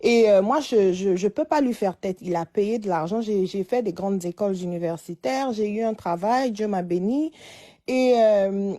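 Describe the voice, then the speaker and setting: On a phone-in advice call, a woman in her late twenties talks at normal speed in a dark, mid-range voice. Her story unfolds hesitantly, with many restarts.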